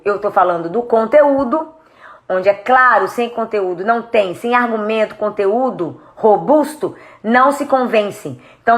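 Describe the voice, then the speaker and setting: A woman with a Brazilian Portuguese accent, a speech therapist giving a direct-to-camera lesson, asking viewers questions and acting out tones of voice. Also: fairly high pitch. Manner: animated, explains with spoken demos of tone. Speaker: speech therapist and communication coach.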